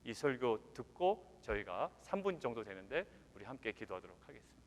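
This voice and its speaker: Pastor preaching in a reverberant church. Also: male voice, medium pitch, fairly quick. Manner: animated preaching, swings from loud emphasis to near-whisper, many rhetorical questions. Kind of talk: weekday sermon. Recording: long hall reverb.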